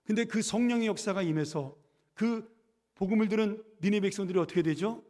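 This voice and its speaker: A man's voice: sits high, brisk, warm tone. A male pastor preaching a sermon in a church, telling a story with rhetorical questions. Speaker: senior pastor. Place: church sanctuary. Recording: long church reverb.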